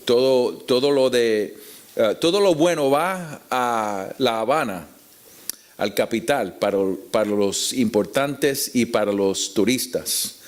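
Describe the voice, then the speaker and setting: A man with a Puerto Rican Spanish accent teaching the Bible to an audience in a deliberate, explanatory way with rhetorical questions. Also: mid-range voice, expressive. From Puerto Rico. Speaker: preacher teaching at a conference.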